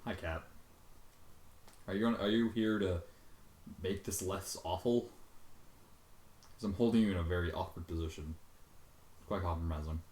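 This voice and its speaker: A man giving a dramatic reading with exasperated, sweary commentary and sudden loud outbursts. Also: sits low, normal speed, pauses often, reverberant. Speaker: fan fiction reader and commentator.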